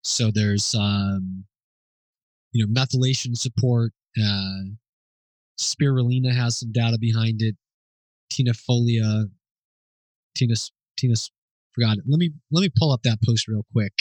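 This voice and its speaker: A man answering listener questions off the cuff at a mid-range pitch, pausing to think and correcting himself as he goes. His voice sits close and dry, with almost no room sound around it. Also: a little mellow, no room sound, rough recording. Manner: thinking aloud, hesitant, with fillers and self-corrections; informal and explanatory.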